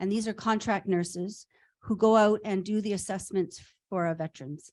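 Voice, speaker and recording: Talking at a fairly quick pace with fairly even intonation, a woman is heard on a very clean recording against a silent background. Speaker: government health official. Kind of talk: conference presentation.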